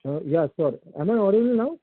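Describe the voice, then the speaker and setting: A man's voice: high-pitched, expressive, no room sound. Muffled man on phone line. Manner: polite, halting, many fillers. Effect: muffled voice, as if through a wall. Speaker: analyst caller on an earnings call. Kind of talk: conference call questions.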